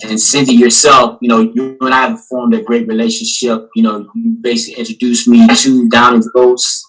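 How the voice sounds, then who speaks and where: Husky man, rambling talk. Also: medium pitch, level tone, moderate pace, fairly bright tone, faint music behind, poor audio. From Newport News, Virginia. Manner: rambling, many "you know" fillers. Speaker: artist and guest curator. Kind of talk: casual panel talk. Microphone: video call.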